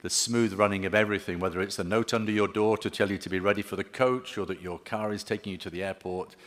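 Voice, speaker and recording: Low-voiced hesitant man in a hall. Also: fairly even intonation, fast, a bit bright. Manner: hesitant, many ums and restarts. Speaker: conference speaker giving closing remarks. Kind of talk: halting closing speech. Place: conference hall. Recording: long reverb of a large hall.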